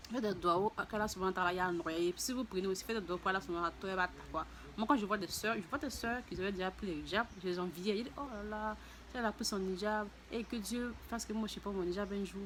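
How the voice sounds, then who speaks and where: Woman vlogger chatting to her viewers, mid pitch, keeps repeating words and starting over, faint hum in the room. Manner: halting, repeats words and restarts often; voices other people's lines in a raised, lively tone. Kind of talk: casual personal testimony to viewers.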